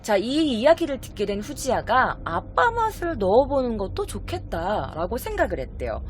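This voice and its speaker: Brief: woman storyteller, casual spooky tale, very lively pitch, faint background hiss. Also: moderate pace. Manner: chatty, animated, acts out short quoted voices. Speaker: YouTube storyteller.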